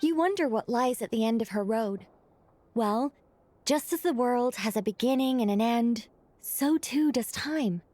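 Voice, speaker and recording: A woman voicing a serene, mysterious and quietly playful mage in a video game. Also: a little high, lively intonation, measured pace.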